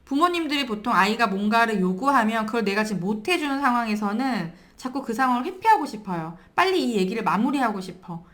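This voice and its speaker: A woman's voice: fairly high pitch, fast, hardly any pauses. A woman parenting coach in her thirties, talking through a book on child discipline and acting out short dialogues between parent and child. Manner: animated, acts out little dialogues. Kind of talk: book review lecture.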